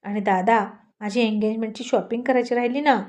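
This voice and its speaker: An eager, chatty young man, voiced by a woman narrator, talking brightly. The voice stays close to her own, a little higher. It is a storybook reading. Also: fairly even intonation, a little fast, natural voice. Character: cheerful young brother-in-law, excited groom-to-be.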